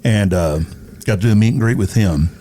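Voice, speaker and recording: A man giving a casual interview as a radio guest, easygoing and a little halting. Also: on the low side, warm tone.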